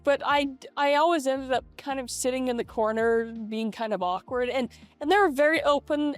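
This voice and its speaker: A middle-aged woman talking casually to her vlog audience through a voice changer, reflective and halting, with repeated false starts. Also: fairly high pitch. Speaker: vlogger. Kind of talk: casual personal vlog monologue. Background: lo-fi video game music.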